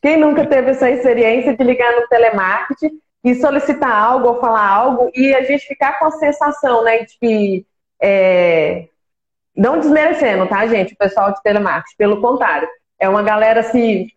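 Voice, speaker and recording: A woman's voice: on the high side, normal speed, roomy sound, dull audio. A woman with a Brazilian Portuguese accent hosting an interview, chatty and enthusiastic. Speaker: interviewer host. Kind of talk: casual interview chat.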